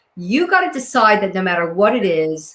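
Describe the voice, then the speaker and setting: A woman at a medium pitch and moderate pace. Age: 60s. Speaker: productivity consultant and speaker. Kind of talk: interview.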